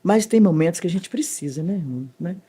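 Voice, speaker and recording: Middle-aged woman, emotional church testimony guest, lively and expressive. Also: fast, slightly rough. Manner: animated, swings widely in pitch, leans on "né" tag questions. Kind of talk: emotional faith testimony storytelling.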